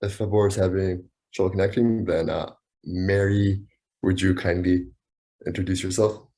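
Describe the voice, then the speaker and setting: A very deep-voiced man hosts an online meeting and politely invites each participant to introduce themselves. He keeps his requests formal and courteous, and the sound comes through a video call. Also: flat delivery, moderate pace, mellow. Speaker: webinar moderator. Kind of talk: calling on speakers in an online meeting.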